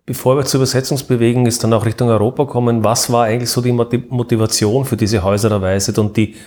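A man's voice: mid-range voice, fairly even intonation, fast, a little mellow. A man hosting an interview, politely summarizing the guest's points and asking follow-up questions.

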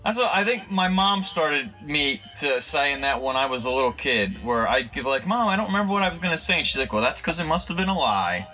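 A man with a bright, forceful voice that sits a little high banters on a comedy podcast. He is teasing and playful and laughs readily, and faint music plays behind him. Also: sing-song, fairly quick, few pauses, poor audio. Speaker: podcast co-host. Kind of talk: casual comedic chat.

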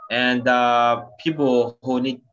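A man's voice: mid-range voice, level tone, slow pace, music in the background. A man in his twenties from Gaza, Palestine, giving earnest personal testimony in an interview, filling his speech with "like" and "you know". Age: 20s. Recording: slightly dull audio with clear background noise.

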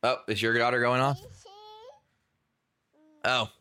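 A man co-hosting a casual gaming podcast, hoarse and losing his voice from being sick, rambling through his points with lots of fillers. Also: medium pitch, little pitch movement, slow pace, bright, forceful tone, slight background noise. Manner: rambling, filler-heavy, says y'all. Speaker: podcast co-host.

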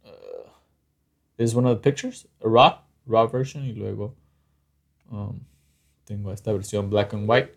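A man with a Chicano accent chatting casually, switching between Spanish and English in a halting, slangy, profane way. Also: on the low side, steady tone, creaky. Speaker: photographer.

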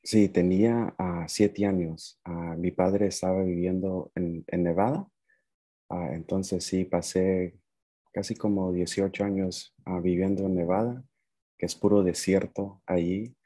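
A young man from Nicaragua, raised partly in the United States, talking casually as a podcast guest and often pausing to find his words. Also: low-pitched, steady tone, mellow. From Nicaragua, moved to the United States at seven. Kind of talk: casual conversational storytelling.

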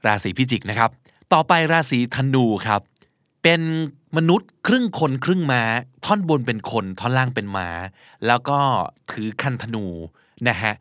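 A man's voice: medium pitch, big pitch swings, moderate pace, fairly bright tone, dry recording, studio quality. A man with a Thai accent, hosting a pronunciation lesson and spelling English words out letter by letter.

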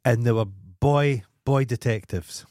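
A man's voice: medium pitch, slow, darkish tone, no echo, studio quality. A Scottish man co-hosting a podcast in casual comic banter, sweary and indignant as he rants. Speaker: podcast co-host.

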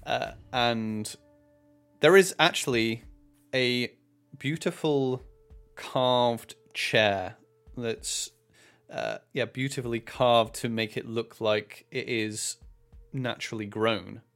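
Guy dming a tabletop game, takes his time, halting descriptive narration, soft music in the background. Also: mid-range voice. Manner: hesitant, descriptive, pausing mid-phrase. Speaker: game master.

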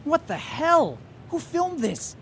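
A man's voice: very high-pitched, big pitch swings, slow pace, creaky, fairly bright tone, slight background noise, full character voice. An actor playing a defensive, sarcastic young Asian American man in a comedic audio drama, evasive and self-justifying.

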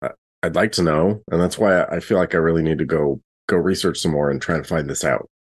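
A man playing a tabletop game, improvising in a casual, informal and halting way. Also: a bass voice, husky. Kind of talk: casual improvised roleplay chat.

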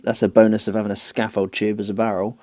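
Mellow low voiced guy, easygoing podcast chat, dry mic. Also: little pitch movement, dry recording. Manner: easygoing, chuckles often, quick agreeing.

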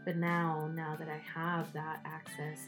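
A woman's voice: sits low, monotone, measured pace, over music. A woman who is a writer and singer, speaking earnestly to camera about a project close to her heart. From Salvadoran heritage.

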